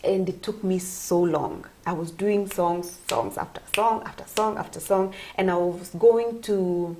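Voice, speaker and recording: A woman's voice: on the low side, measured pace, mellow, a little hiss or hum. A woman from Kenya, a gospel singer and vocal coach, giving earnest, explanatory interview answers and repeating phrases for emphasis.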